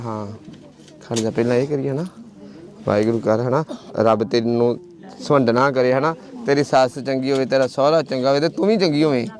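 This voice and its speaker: A man's voice: medium pitch, steady tone, a little fast, a little mellow. A man with a Majhi Punjabi accent chatting casually and teasingly, full of folksy exclamations and blessings. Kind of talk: casual teasing chat during a wedding bangle ritual. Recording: noisy crowd and birds behind.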